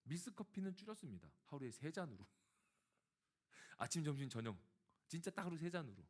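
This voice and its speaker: Male pastor, lively pitch, storytelling sermon that addresses the congregation. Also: a little fast. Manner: animated storytelling, acting out dialogue; speaks directly to the congregation.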